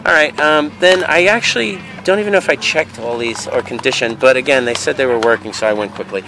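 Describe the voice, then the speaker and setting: A man's voice: medium pitch, quick pace. A man casually talking through a box of used video games at an outdoor flea market, thinking aloud with many fillers, recorded on a handheld camera. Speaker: video game reseller. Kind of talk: casual handheld vlog narration. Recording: noisy outdoor camera audio.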